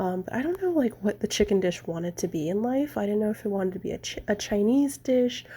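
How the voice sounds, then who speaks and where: A woman speaks at medium pitch with a dark, mellow tone. Her intonation is lively and her voice somewhat breathy. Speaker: travel vlogger. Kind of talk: casual vlog narration. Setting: airport lounge. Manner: soft-spoken; hesitant, many fillers.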